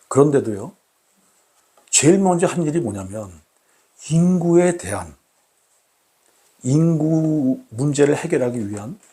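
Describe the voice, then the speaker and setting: A man hosting his own channel, talking to camera in a formal, deliberate way with many repeated rhetorical questions. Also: medium pitch, warm tone. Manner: repetitive, emphatic rhetorical questions. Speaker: channel host. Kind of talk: solo talk to camera.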